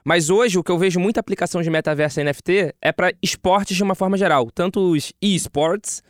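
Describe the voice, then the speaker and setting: A man talking casually on a podcast, telling stories in an animated, chatty way. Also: high-pitched, a little fast, dry recording, studio quality. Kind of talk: casual chat.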